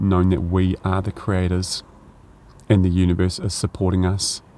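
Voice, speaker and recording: In a very clean recording with a silent background, a soft-spoken man talks at a moderate pace with a calm, dark, mellow tone and a very deep, low pitch. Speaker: energy healer. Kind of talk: guided meditation. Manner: calm, soft-spoken.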